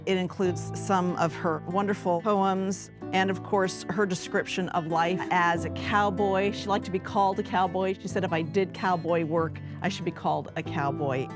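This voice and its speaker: An American woman telling history in a documentary style, as an archivist presenting a collection. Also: on the low side. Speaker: archivist and narrator. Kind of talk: documentary storytelling.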